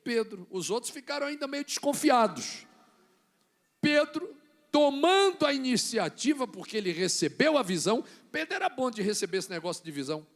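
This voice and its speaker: A Brazilian man preaching a sermon, acting out little scenes and building to shouted lines. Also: very high-pitched, big pitch swings, normal speed. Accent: Brazilian Portuguese. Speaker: bishop preaching.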